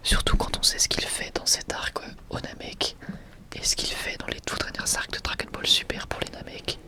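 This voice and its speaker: Whispering young man, ASMR. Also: moderate pace. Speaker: ASMR video creator presenting a manga collection.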